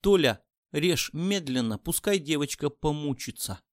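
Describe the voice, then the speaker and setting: A man voicing a cruel, sneering male crime boss in an audiobook, speaking slowly and coldly. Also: on the high side, animated, no room sound, studio quality. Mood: cold gloating.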